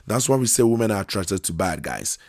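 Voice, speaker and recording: A man with a very low voice hosts his podcast while a little hoarse from losing his voice. He talks in an easygoing, rambling way, circling back and restarting his phrases. The sound is dry and close, with no room echo. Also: expressive, a little mellow. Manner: unhurried and conversational, repeats and restarts phrases. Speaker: podcast host. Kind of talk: casual solo podcast talk.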